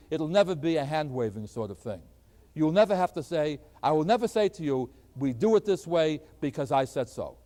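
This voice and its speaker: Emphatic higher-voiced math professor. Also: male voice. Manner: animated, emphatic, folksy asides. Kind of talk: classroom lecture.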